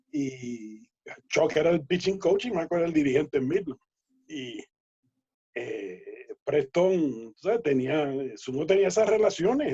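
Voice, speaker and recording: A man, a guest telling lively baseball anecdotes in a casual interview, laughing and acting out quoted dialogue. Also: on the high side, breathy edge. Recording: dull lo-fi audio.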